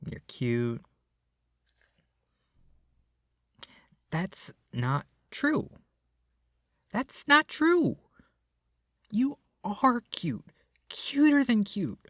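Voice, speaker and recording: A man playing a lovestruck, clingy young kidnapper in an intimate ASMR roleplay, speaking softly and earnestly with gushing, coaxing tenderness. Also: sits high, no echo, clean studio sound, heavily acted. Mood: adoring, gushing. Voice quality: soft, breathy, often dropping to a whisper. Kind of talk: ASMR roleplay, intimate second-person acting. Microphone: close microphone, dry.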